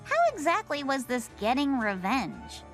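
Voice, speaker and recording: A woman's voice: sits high, big pitch swings, a little slow, a bit bright, faint music behind, full character voice. A woman voicing a breezy young female cartoon sleuth with a blunt, tactless way of talking. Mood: blunt, puzzled.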